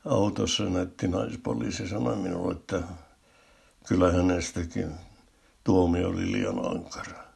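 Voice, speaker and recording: A man narrating a first-person story in a dry, wry and measured way, with a gravelly voice. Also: low-pitched, flat delivery, darkish tone.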